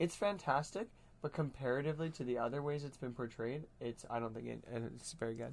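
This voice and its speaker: This is a man with a normal speaking voice. He talks at a fairly quick pace with ordinary pitch variation. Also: medium pitch for a man. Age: 20s. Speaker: podcast co-host. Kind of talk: casual chat.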